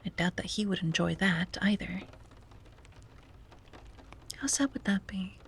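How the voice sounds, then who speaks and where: A woman playing a wistful, self-doubting young sea-witch in an ASMR roleplay, speaking softly and breathily with hesitant musing and frequent drops to a whisper. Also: mid-range voice, animated, a little slow, slight background noise. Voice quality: breathy, often dropping to a whisper. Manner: hesitant, musing, sighing, gently playful. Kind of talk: ASMR roleplay, soft intimate monologue.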